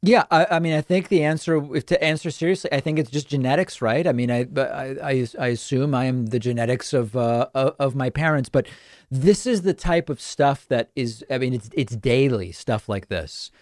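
A man from the northern United States hosting a political talk show, giving brisk, emphatic and sarcastic commentary into a studio microphone. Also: mid-range voice, a little mellow, dry recording.

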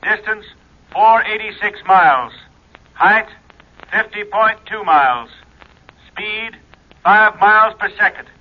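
An actor playing a precise radar technician who recites readings in formal, clipped phrases in a 1950s radio drama. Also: male voice, sits high, slow pace, long pauses. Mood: urgent, formal. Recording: dull, lo-fi 1950s radio recording.

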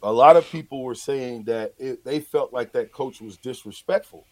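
A man's voice: medium pitch, moderate pace, dry recording, rough recording. A man hosting sports talk in a heated, emphatic and confrontational manner, repeating phrases for stress. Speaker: sports talk show host.

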